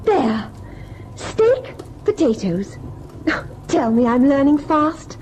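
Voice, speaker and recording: An actress playing an eager, playful young wife in an old-time radio drama, with a bubbly, teasing manner. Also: female voice, high voice, sing-song, slow, a little mellow, full character voice. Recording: noisy vintage radio recording.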